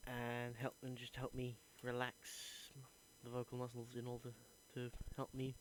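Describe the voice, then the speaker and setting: Earnest young man, flat delivery. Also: mid-range voice, a little slow, slight background noise, low-quality recording. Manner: earnest, thinking aloud. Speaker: acting student. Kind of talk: reflective voice diary.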